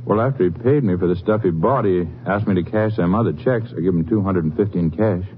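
A man's voice: deep voice, quick pace, lightly acted. A man acting a folksy, evasive livestock barn owner with a rural American accent in a 1950s western radio drama. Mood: nervous, evasive. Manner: folksy, hesitant, stammering under questioning. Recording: tinny noisy old radio recording.

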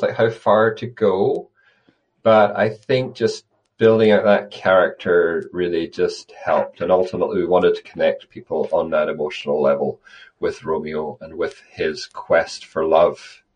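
A man's voice: sits low, fairly even intonation, moderate pace, lo-fi sound. A man being interviewed about a conservation project, answering thoughtfully and often restarting his phrases. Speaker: conservation guest.

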